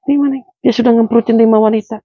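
A man's voice: very high-pitched, steady tone, fast talker, breathy edge, dry recording. A man with a Cirebon accent, a spiritual healer who gives stern commands and scolds a patient. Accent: Cirebon Indonesian. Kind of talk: scolding healing session. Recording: dull dry lo-fi sound.

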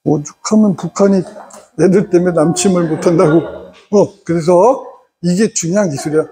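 A middle-aged man lecturing parents in an animated way and having the audience repeat phrases after him. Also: sits high, moderate pace, crowd noise.

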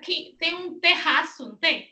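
A woman teacher hosting an interview, asking chatty questions and giving quick affirmations. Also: very high voice, expressive, a crowd in the background. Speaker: Chinese teacher and host. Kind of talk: casual interview chat.

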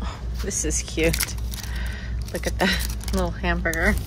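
A woman's voice: fairly low pitch, little pitch movement, measured pace. A woman filming a shop-with-me vlog inside a store on a handheld phone, chatty and exclaiming over items. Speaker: vlogger. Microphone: handheld phone camera. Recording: store noise behind.

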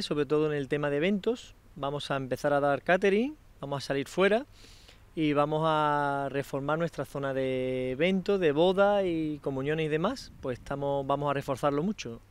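A man's voice: fairly high pitch, normal speed, clear, resonant tone. A man in his thirties, a chef and restaurant owner, explaining his work plainly in an outdoor interview. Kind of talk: casual interview. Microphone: handheld microphone.

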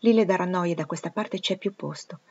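A woman's voice: on the low side, a little fast, darkish tone, husky. A young governess pushes back with earnest indignation, voiced by a woman reader. The speech is heartfelt and direct, close to the reader's own voice. The recording is slightly muffled. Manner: resentful, impassioned.

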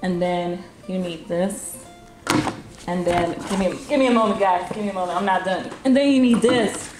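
A woman's voice: fairly low pitch, moderate pace, reverberant, music in the background. A woman chatting casually on a video, showing her convention gear and laughing often. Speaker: YouTube convention reporter. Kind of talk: casual show-and-tell chat. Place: game room with arcade cabinets.

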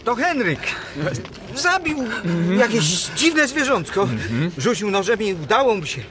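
Casting: a hesitant, shifty starving survivor in radio drama, high voice, slow, noisy recording. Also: male voice, lively intonation. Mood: evasive. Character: uneasy, evasive starving male survivor. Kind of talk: radio play acting.

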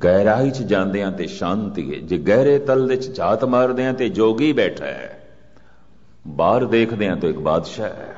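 An older man giving a religious discourse, speaking slowly and measuredly and chanting scripture lines. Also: fairly low pitch, expressive, a little mellow. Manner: slow, measured delivery with chanted scripture quotes. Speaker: Sikh preacher. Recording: muffled archival recording with long reverb.

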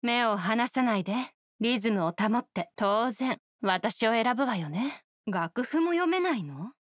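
A proud young oni woman from a video game, with a fairly high voice recorded dry and close. She is a star musician and a perfectionist. Her delivery is poised, exacting and sure of itself. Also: animated, measured pace, dry recording. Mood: confident, haughty. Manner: poised, self-assured, exacting. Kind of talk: Japanese video game character voice lines.

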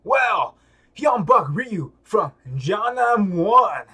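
A man voicing a hyped male fight tournament announcer from a comic, loud and drawn-out. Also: high-pitched, very animated, husky, pitched above the performer's own voice, exaggerated voice.

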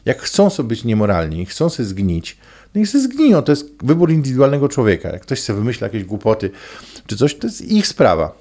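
A man's voice: fairly low pitch, sing-song, a little fast, darkish tone. A middle-aged man, a coach speaking in an emphatic, preachy and colloquial monologue to camera. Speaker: coach and trainer. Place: small indoor room. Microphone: desk microphone close in front.

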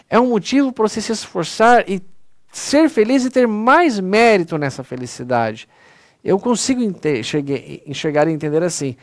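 Heard in a dry, studio-grade recording, a high-voiced man with a Brazilian Portuguese accent presents a spiritist lecture online. His manner is earnest and conversational, and "pessoal" is his frequent word for the audience.

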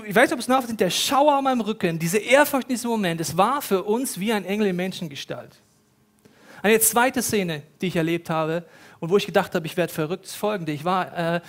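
A man preaching a sermon from a church stage, telling lively personal stories and speaking straight to the listeners. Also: sits high. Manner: lively storytelling, addresses listeners directly. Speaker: pastor. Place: church stage before a congregation.

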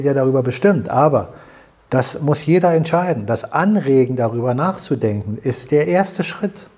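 A man's voice: fairly high pitch, mellow, breathy edge. An older man hosting a salon conversation in a living room, earnestly explaining and repeating words as he searches for them. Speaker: host. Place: living room with fireplace, indoors.

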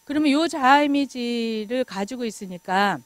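Middle-aged woman lecturer, fairly high voice, dry sound, animated and laughing. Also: moderate pace, no room sound. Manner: animated, laughs often, acts out quoted remarks.

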